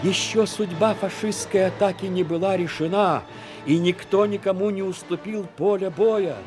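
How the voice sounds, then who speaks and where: A man's voice: sits high, normal speed. A man reading scripted literary narration for a dramatic audio play. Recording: music under the voice.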